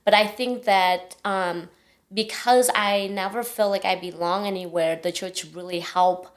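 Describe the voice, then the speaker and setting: A woman's voice: mid-range voice, steady tone, a little slow. Woman guest with Southeast Asian accent. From Cambodia. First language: Vietnamese or Khmer. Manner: non-native English with simplified grammar. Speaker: podcast guest. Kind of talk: casual personal storytelling.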